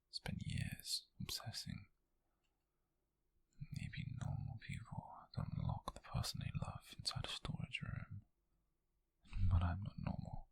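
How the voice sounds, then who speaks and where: A man acts out an obsessive male captor in an intimate roleplay drama. The voice is a husky, breathy whisper, low and very close and dry. He confesses haltingly, pleading and menacing at once. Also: dry recording, full character voice. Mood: bitter, obsessive. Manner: slow, halting confession with sighs.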